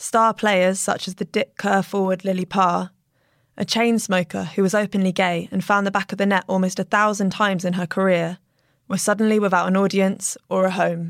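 A woman speaks at a medium pitch in a monotone with flat intonation. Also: moderate pace. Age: 30s. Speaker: journalist and podcast producer. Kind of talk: reading aloud.

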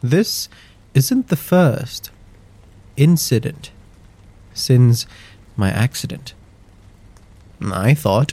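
A man with a dark, mellow tone and a somewhat breathy voice speaks at a very slow pace with lively intonation and long, frequent pauses. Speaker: horror story narrator. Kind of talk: scripted horror story narration, first-person, told in a hushed spooky tone. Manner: slow, suspenseful, building dread with measured pauses.

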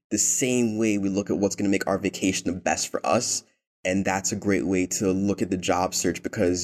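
In a very clean recording with a silent background, a man with an American accent and a plain, everyday voice talks at a moderate pace, fairly low in pitch, with fairly even intonation. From New York City. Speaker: career coach. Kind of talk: interview.

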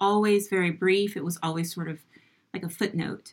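A woman with an American accent speaks in an ordinary speaking voice. Her pace is moderate and her intonation fairly even. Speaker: novelist. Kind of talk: interview chat. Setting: video call.

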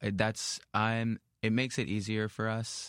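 A man talks fairly slowly at a fairly low pitch in a normal speaking voice. The sound is dry and close with no echo, on a very clean recording with a silent background. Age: 30s. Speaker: touring musician. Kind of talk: casual chat.

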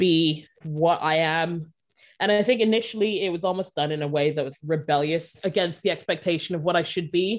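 A woman speaks at a moderate pace with an American accent. Her pitch is fairly low with ordinary pitch variation. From international upbringing (Kenya, Ethiopia, Senegal, English boarding school). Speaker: diversity and inclusion consultant. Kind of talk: interview. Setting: video call.

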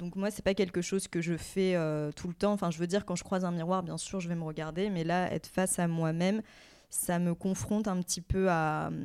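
A woman with an unremarkable speaking voice, fairly low pitch and fairly even intonation at a moderate pace, on a very clean recording with a silent background. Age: 20s. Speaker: actress and social media manager. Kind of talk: casual chat.

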